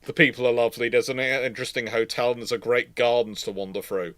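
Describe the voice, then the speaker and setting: A man's voice: medium pitch, little pitch movement, fast talker, a bit bright, no room sound. A man hosting a live stream, rambling casually as he answers viewers' questions. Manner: rambling, tangent-prone. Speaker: host of a naval history live stream.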